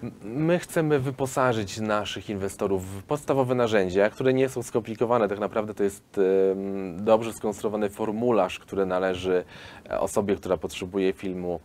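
A man in his thirties, a film studio founder, explains his investment offer in an interview, pausing often with fillers. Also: fairly low pitch, darkish tone. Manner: explanatory, hesitant with frequent fillers. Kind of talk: business interview.

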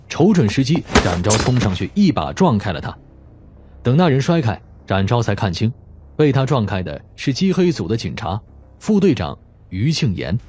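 A man's voice: fairly low pitch, a little mellow, slight background noise. A man reading a dramatic scripted audiobook narration.

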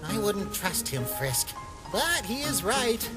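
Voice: medium pitch, very animated, slow. A performer voicing a fussy, protective little flower, urgent and scolding, in a comic dub. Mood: cautious. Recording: loud music behind.

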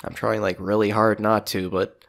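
Casual gamer guy, stuffy and sniffly, rambling chatter with a lowish voice. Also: little pitch movement, normal speed, fairly bright tone. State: congested with a cold, sniffling. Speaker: gameplay commentator. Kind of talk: casual let's play commentary.

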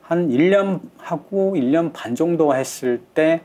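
A man in his forties from North Korea, a guest on a studio talk show, telling his story in an earnest, measured way with frequent pauses, his accent softened toward Seoul speech. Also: on the high side, expressive. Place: bright TV studio set. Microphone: lapel mic.

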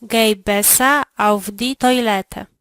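A woman answering drill prompts in a language lesson, speaking slowly and clearly. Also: on the high side, fairly even intonation, fairly bright tone, dry recording, clean studio sound.

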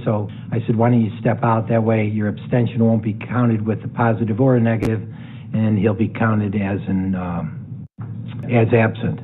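A man's voice: on the low side, slightly rough. A man advising a city council, explaining agenda matters in a conversational, explanatory way in a council chamber. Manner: conversational, explanatory, self-correcting. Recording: tinny, phone-like sound.

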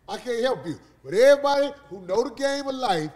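A man hosting a studio talk show, joking loudly and profanely with his co-hosts. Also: very high-pitched, fairly quick. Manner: profane, loud joking, animated. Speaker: podcast host. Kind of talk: crude comedic banter. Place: studio around a table.

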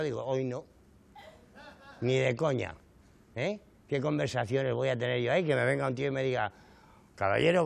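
With a fairly high, creaky voice, this middle-aged man from the Canary Islands, judging by his Spanish accent, performs stand-up in a studio in front of a live audience. He exaggerates his stories with indignation and keeps tossing rhetorical asides to the audience.

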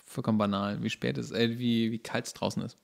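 A man's voice: mid-range voice, little pitch movement, a little fast, vocal fry. A man co-hosting a podcast in casual banter, putting in dry, joking remarks. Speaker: podcast co-host.

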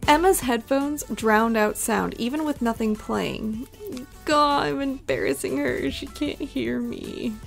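Woman, vlog voice-over, chatty and playful, slightly high with vocal fry. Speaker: vlogger. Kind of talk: voice-over narration. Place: home voice-over recording.

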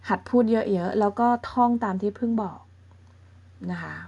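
Her voice is medium-pitched with vocal fry and a breathy edge, and the highs are cut off in the recording. She teaches a beginner language lesson, explaining slowly and patiently step by step while regularly checking in with listeners using softening particles.

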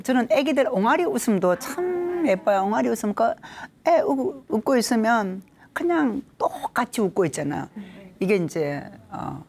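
A middle-aged woman with a Gyeongsang accent giving a laughter therapy lecture, leading counting exercises. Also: mid-range voice. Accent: Gyeongsang Korean. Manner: animated, leads counting drills with bursts of laughter. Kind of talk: lively lecture with group exercises.

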